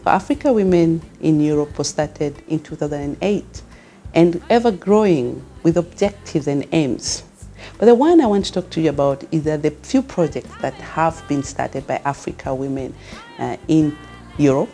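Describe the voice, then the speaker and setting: Speaking at a moderate pace in a deep, dark voice, a middle-aged Kenyan woman who founded and runs a women's network as CEO addresses the camera earnestly, asking rousing questions in her Kenyan accent. Soft background music accompanies her in a furnished indoor studio lounge with a fireplace.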